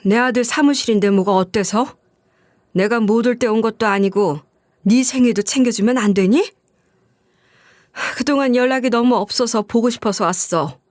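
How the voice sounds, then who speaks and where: A woman playing a middle-aged widowed mother who pleads with her son and shouts at him in anger. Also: fairly high pitch, moderate pace, no room sound, studio quality, lightly acted. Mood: pleading.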